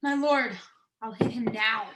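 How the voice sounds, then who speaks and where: A woman's voice: on the high side, fairly even intonation, unhurried, noisy background, lightly acted. A woman playing a proud, guarded young nobleman bound by honor, reading Shakespearean verse. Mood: conflicted.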